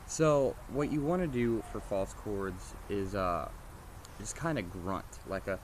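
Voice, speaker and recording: A man's voice: fairly low pitch, a little slow. A man giving a casual, loosely explained how-to lesson as a vocal instructor, in an informal, repetitive way. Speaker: vocal screaming tutorial instructor. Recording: noisy homemade recording, steady background noise.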